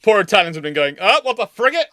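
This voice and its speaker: A man's voice: high voice, big pitch swings, fast, bright, forceful tone, no echo. A man hosting a casual live question-and-answer chat, talking in a rambling, digressive way. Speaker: host of a live naval history Q&A.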